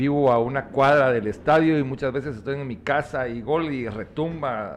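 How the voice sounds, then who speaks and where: A man speaks with a Guatemalan accent at a medium pitch. His pace is fairly slow. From Guatemala, Jutiapa. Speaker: mountain biker. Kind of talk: casual chat.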